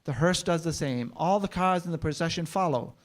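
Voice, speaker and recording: A man reads scripted stage action as a narrator. His voice sits slightly high for a man, describing scenes in the present tense for a staged reading. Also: brisk.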